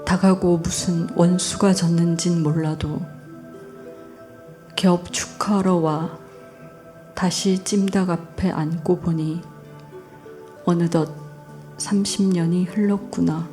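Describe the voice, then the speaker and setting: A woman poet, reading a poem aloud and chatting on a literary radio show in a soft, unhurried way. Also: lowish voice, fairly even intonation, faint music behind. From North Gyeongsang, Korea. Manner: soft, unhurried, gentle laughs. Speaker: guest poet. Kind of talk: poetry reading and radio chat. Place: public radio broadcast stage.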